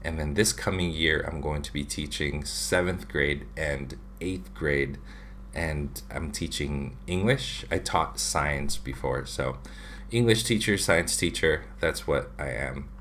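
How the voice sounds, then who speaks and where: Low-voiced man chatting on a livestream. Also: takes it slowly, a bit bright, slight background noise. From Philippines. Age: 30s. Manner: chatty, reads viewer questions aloud with many fillers. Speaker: livestream host, drawing channel. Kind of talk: casual livestream chat. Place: home room with shelves of figures. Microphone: webcam at desk.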